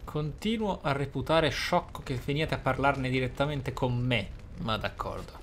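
A man hosting a roleplay let's play, speaking in deliberate, formally worded, articulate commentary. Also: mid-range voice, a little hiss or hum. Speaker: gamer, let's play host. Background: video game ambience.

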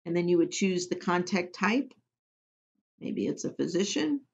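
Woman giving a plain software walkthrough. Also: lowish voice, big pitch swings, a little slow, gravelly. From Missouri. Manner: plain step-by-step instructions with frequent ums. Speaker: immunization program trainer. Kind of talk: screen-recorded software tutorial. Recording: dull lo-fi audio.

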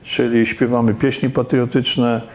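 A man's voice: medium pitch, little pitch movement, unhurried. A man in his fifties, a school director, answering interview questions plainly and firmly. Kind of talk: conversational interview. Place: office room with plants and bookshelves.

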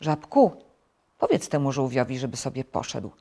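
A woman's voice: rumbling low, big pitch swings, normal speed, mellow, exaggerated voice. Woman voicing a fussy male toad, complaining, emphatic, children's storybook. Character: fussy grumbling male toad, easily upset.

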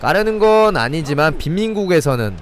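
A man's voice: fairly high pitch, fairly quick, slight background noise. A young man streaming a football video game, calling the plays and chatting with viewers in between. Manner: excitable play-by-play, chatting with viewers. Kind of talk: live gameplay commentary.

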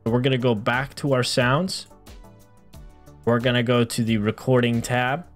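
A man in his thirties hosting a software tutorial, explaining things methodically step by step in an instructional style. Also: mid-range voice, level tone, moderate pace. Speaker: tutorial host. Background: background music.

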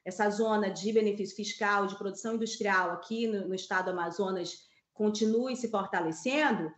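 Casting note: Brazilian woman columnist in her thirties, mid pitch, echoey webcam sound, hesitant live commentary. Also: a little fast. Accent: Brazilian Portuguese. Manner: thinks aloud with many fillers and restarts. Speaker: political columnist. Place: home office with map on wall. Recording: echoey room.

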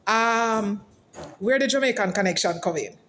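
A woman vlogger interviewing restaurant staff in a casual, teasing way, asking lively questions. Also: medium pitch, normal speed, slight background noise. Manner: chatty, teasing, animated questions. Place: restaurant seating area, indoors.

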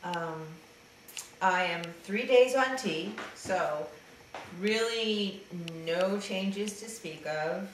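Trans man vlogger, middle-aged, hesitant and halting, slightly raspy; slow delivery, echoey room heard from far off. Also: high voice, a bit bright, slight background noise. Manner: hesitant, halting, many fillers and restarts. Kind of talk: casual personal video diary, then reading a letter aloud. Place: dim room indoors, seated in an armchair. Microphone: camera mic at a distance.

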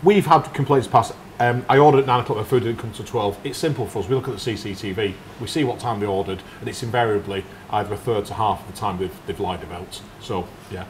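Blunt man, lowish voice. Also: quick pace, few pauses, slight background noise. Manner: blunt, firm, matter-of-fact. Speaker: restaurant owner. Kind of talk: casual interview. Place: restaurant dining room. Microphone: lapel mic.

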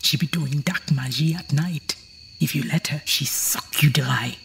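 An actress playing a blunt, superstitious old island woman with a gravelly, whispery voice in an audio horror drama. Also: low-pitched, measured pace, a little hiss or hum. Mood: scolding, dark. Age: older.

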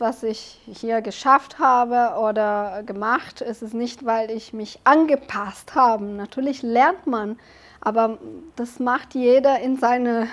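A Brazilian woman in her forties with a Portuguese accent, answering interview questions in a fairly high voice. She speaks thoughtfully, often pausing on fillers as she searches for words. She is close on a lapel mic in an office. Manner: thoughtful, with frequent hesitation fillers. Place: office with large windows.

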